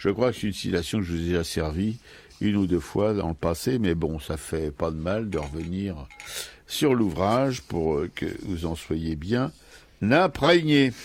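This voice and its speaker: The recording is very clean, with a silent background. A man speaks at a fairly slow pace in a very deep, low pitch. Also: lively intonation. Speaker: radio host. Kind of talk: radio talk show. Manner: halting.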